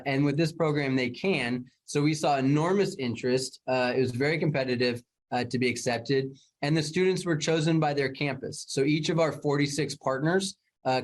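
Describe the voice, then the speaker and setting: Man, state official, press briefing answers, earnest, halting restarts, mid-range voice. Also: medium pitch. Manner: earnest, many fillers and restarts.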